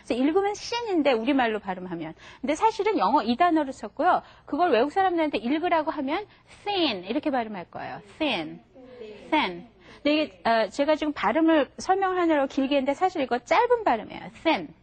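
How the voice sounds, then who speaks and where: Woman teacher, high and bright, lively and patient, models words for the class to repeat. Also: racing, few pauses. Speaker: English teacher. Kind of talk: classroom lesson for adult learners. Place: TV studio classroom.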